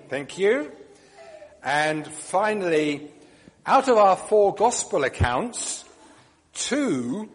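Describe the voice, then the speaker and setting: A man leading a church service, delivering a measured reflection and blessing with frequent ums, his voice carrying in a long churchlike reverb. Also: fairly high pitch.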